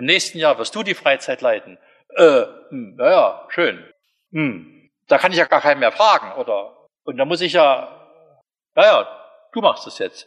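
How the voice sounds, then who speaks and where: Over a quiet background, the speech goes at a fairly slow pace, broken by long, frequent pauses. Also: man. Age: 60s. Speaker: lay preacher. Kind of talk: sermon.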